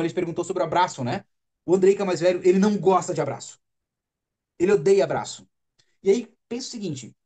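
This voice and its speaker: A man's voice: sits high, darkish tone. A Brazilian father giving a live stream talk, earnest and emphatic, repeating words to stress his point. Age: adult father. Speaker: speaker on autism parenting. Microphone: webcam or phone on a live stream.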